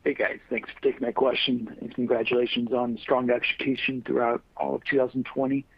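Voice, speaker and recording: A man asking questions as a financial analyst on an earnings call, polite and halting in his phrasing. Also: mid-range voice, level tone, vocal fry, husky, dry recording. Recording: tinny narrow phone line.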